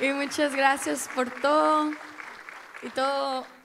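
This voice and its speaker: A woman with a Portuguese accent, high-pitched and very slow, amid audible room echo and crowd noise in the background. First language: Portuguese (speaking Spanish). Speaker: student. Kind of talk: church greeting. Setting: church. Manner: halting.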